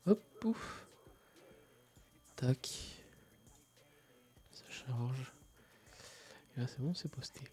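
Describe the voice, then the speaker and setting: A man's voice: mid-range voice, extremely slow, pauses often. A man streaming a game live, chatting casually while he plays, stuffy from a cold. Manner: relaxed, mumbling asides, frequent fillers. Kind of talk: casual live gameplay chat.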